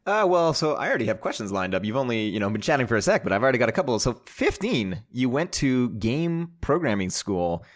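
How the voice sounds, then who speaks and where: A man's voice: medium pitch, very animated, brisk, few pauses. A man hosting a podcast, introducing a guest and asking questions in a chatty, enthusiastic way. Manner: chatty and enthusiastic, many fillers. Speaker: podcast host. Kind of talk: casual podcast chat.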